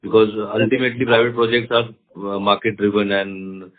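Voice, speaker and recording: A man's voice: fairly low pitch, level tone, fairly quick. A man with an Indian accent answering investors as a company executive on an earnings call. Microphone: phone conference call. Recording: narrow muffled phone line.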